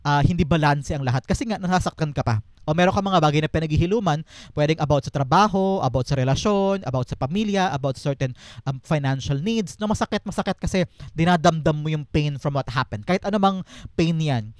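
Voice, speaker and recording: A man's voice: a little high, lively intonation, fairly quick, no room sound. Earnest Filipino man giving a tarot reading. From Philippines. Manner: earnest, emphatic, repeats words for stress. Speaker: tarot reader.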